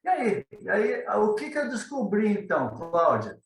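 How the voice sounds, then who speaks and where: A man's voice: high-pitched, wildly swooping pitch, moderate pace, distant mic. A man, a guest telling his story in a meandering, hesitant way, often tagging his sentences with questions. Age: 50s. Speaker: guest, ufology author. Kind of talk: conversational interview storytelling. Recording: roomy echo.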